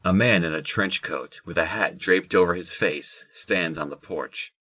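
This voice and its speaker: Deep-voiced male audio drama narrator. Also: measured pace, bright, forceful tone.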